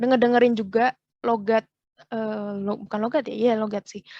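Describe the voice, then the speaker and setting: With monotone, flat intonation, a woman speaks over a quiet background. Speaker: newscasting trainer. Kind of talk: training class Q&A.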